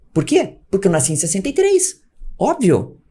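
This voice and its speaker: A woman's somewhat breathy voice with a dark, mellow tone and very wide pitch swings. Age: 60s. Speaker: psychologist. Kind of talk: casual chat.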